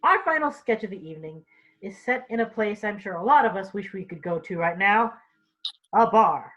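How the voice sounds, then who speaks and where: A woman hosts a virtual sketch reading in a casual, wry way. Her voice sits at a middle pitch, and the home recording is a little muffled. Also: animated, moderate pace, fairly bright tone. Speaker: host introducing sketches. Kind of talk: casual comedy show narration. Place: virtual staged reading over home mic.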